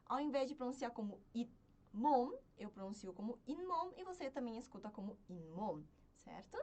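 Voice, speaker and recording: A woman teaching an online language lesson, explaining step by step and often checking in with her students. She slows down to sound out example words. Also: on the high side, animated, darkish tone.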